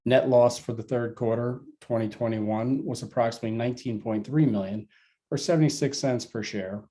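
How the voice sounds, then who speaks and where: A man's voice: medium pitch, a little fast, dark tone. A man reading a scripted financial report on an earnings call as a company finance executive, formal and methodical with figures.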